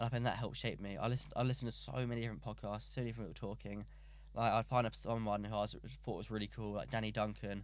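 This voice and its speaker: In a London accent, a man talks at a very fast pace. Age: 20s. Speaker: boxing interviewer and influencer. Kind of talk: podcast interview.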